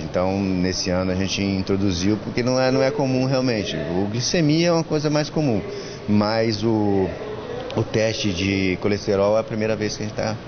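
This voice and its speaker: Low-voiced man in a noisy fair hall. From Brazil. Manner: earnest, advice-giving, many restarts. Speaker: school staff member interviewed. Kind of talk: on-camera event interview. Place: indoor school fair hall. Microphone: handheld mic held by interviewer. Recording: lo-fi with clear background noise.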